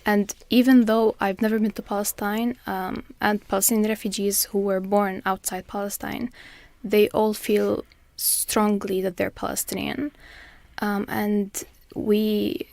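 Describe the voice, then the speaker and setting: Woman, 20s, from Lebanon, podcast guest; measured and reflective, gravelly, flat delivery, dry sound. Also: mid-range voice, no echo. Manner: measured, frequent fillers and pauses. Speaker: guest, master's student. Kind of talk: conversational interview.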